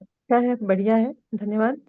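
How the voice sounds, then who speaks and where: A woman teacher giving a calm, unhurried spiritual lesson and explaining ideas gently to her class. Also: on the high side, narrow, tinny audio.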